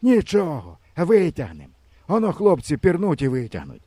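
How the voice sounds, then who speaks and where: A man doing a gruff scolding old grandpa. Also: fairly high pitch, wildly swooping pitch, normal speed, mellow, no echo, pitched above the performer's own voice, exaggerated voice. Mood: calm advising. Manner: blunt, scolding.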